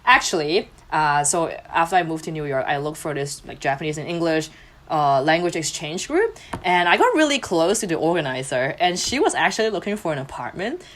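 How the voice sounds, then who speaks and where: A woman's voice: low-pitched, very animated, fairly quick, fairly bright tone. A young woman whose first language is Cantonese, a podcast guest chatting casually and laughing often mid-sentence. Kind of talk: casual chat.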